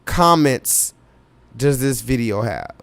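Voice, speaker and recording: A man's voice: medium pitch, expressive, slow, a bit bright, clean tone, no room sound. A man hosting a live reaction stream, reading viewer comments aloud and pressing his chat with urgent, repetitive remarks. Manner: urgent, insistent, repeats himself, addresses chat directly.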